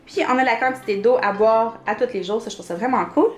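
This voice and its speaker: A woman's voice: fairly high pitch, fast, soft background music. Chatty Québécois woman showing her planner. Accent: Québécois French. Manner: chatty, many fillers, laughs often. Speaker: planner vlogger. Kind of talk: casual show-and-tell.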